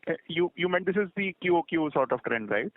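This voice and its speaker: A man, an analyst asking halting, informal questions over a narrow telephone connection. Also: a little high, lively intonation, no echo. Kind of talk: informal question on a conference call. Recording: dry, narrow phone line.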